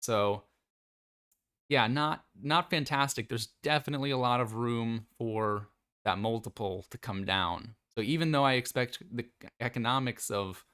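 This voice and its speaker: A man's voice: medium pitch, unhurried, pushed and bright. A man giving casual, off-the-cuff commentary on a company's earnings report, thinking aloud with plenty of fillers. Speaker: stock commentator.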